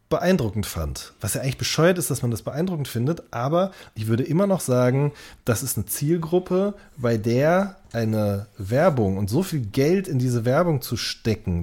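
Man, medium pitch, casual podcast co-host, digressive, thinking out loud.

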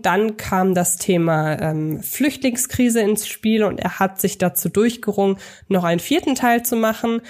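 A woman's voice: mid-range voice, a little mellow. Wordy podcast woman. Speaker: podcast co-host. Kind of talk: conversational film podcast talk.

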